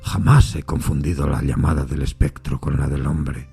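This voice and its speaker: A man playing an anguished railway signalman haunted by a spectre, earnest, deferential and hushed, in a dramatic audio story. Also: extremely low pitch, flat delivery, normal speed, creaky, husky, faint music behind, pitched below the performer's own voice, heavily acted. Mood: grave, hushed. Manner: troubled, pensive, hushed.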